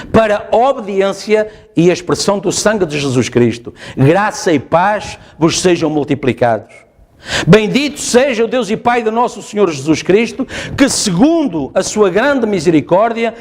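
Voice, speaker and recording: Preaching in church with a European Portuguese accent, this pastor speaks with a high-pitched voice and a darkish tone. His sermon is emphatic, full of repeated phrases, and he regularly turns to the congregation with "está a ver?".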